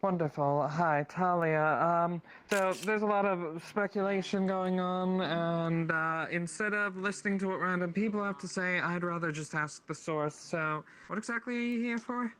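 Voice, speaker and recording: A man playing a polite, cautious adventurer in improvised roleplay, questioning in a halting, inquisitive way. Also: sits high, a bit bright, a little hiss or hum, rough recording. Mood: polite, curious. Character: courteous, cautious male adventurer questioning a stranger. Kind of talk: improvised virtual-reality roleplay.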